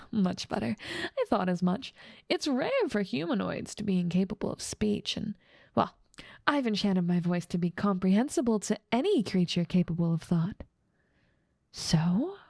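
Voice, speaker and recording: A woman voicing a cold, controlling evil witch in an ASMR audio roleplay, talking down to a captive in a smug, condescending way and often dropping to a soft whisper, close to the mic. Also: on the high side, creaky, no room sound.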